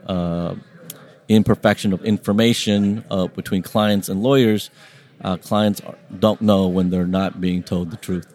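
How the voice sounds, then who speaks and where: A man's voice: low voice, fairly even intonation, unhurried, a little mellow. A man whose first language is Vietnamese, speaking as an interview guest in a reflective, conversational and somewhat hesitant way.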